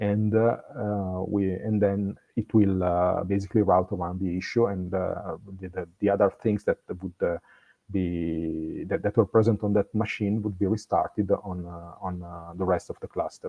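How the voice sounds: A man speaks at a low pitch. His pitch moves very little. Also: moderate pace.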